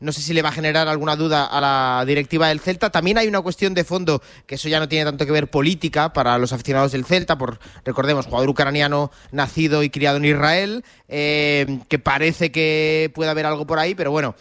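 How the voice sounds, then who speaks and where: Male sports pundit, slightly high voice, halting explanatory delivery with repeated words, very little room sound. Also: a bit bright, dry recording. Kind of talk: spontaneous football discussion.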